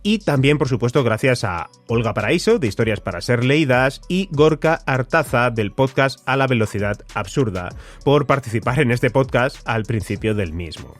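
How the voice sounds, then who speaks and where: Lively-voiced Spanish-speaking man hosting a podcast. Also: medium pitch, faint music behind. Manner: reads questions and promotions in a lively, measured voice. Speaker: podcast host. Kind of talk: scripted podcast narration.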